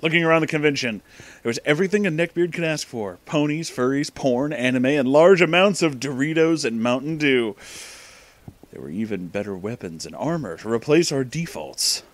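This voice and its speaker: A man's voice: medium pitch, lively intonation, moderate pace, dry recording. A man narrating a comic story aloud in a dramatic reading style, as the show's reader.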